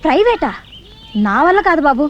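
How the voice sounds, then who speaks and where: A stern, scolding schoolteacher. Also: female voice, high voice, very animated, normal speed. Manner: scolding, curt. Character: stern young female schoolteacher, sharp-tongued. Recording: dull film soundtrack with music.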